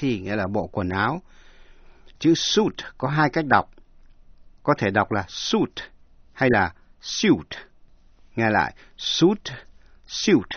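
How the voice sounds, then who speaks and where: A man's voice: medium pitch, no room sound, muffled recording. A man narrating an English lesson, explaining words and spelling them letter by letter. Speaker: language teacher.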